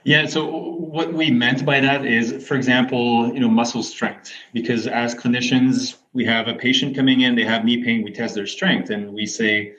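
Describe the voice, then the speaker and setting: A man explains clinical research in a conversational interview style. His pitch is average for a man, and he reasons through examples. The recording is a little dull and lo-fi. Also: steady tone, moderate pace, hardly any pauses, a bit bright, slight background noise. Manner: explains with examples and rhetorical questions. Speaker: physiotherapist researcher guest. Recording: slightly dull, lo-fi audio.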